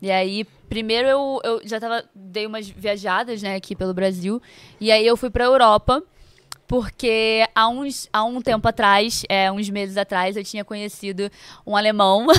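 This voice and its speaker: A woman with an unremarkable speaking voice talks at a fairly slow pace, fairly high in pitch with fairly even intonation. The sound is dry and close with no echo, on a very clean recording with a silent background. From Rio de Janeiro, Brazil. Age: 20s. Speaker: influencer and backpacker. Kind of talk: casual interview chat.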